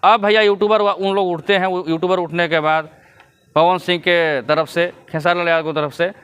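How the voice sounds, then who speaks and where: A man's voice: high-pitched, fairly even intonation, a little fast, a bit bright, smooth. A man giving casual vlog commentary, lecturing his viewers and chuckling between points. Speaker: YouTube commentator.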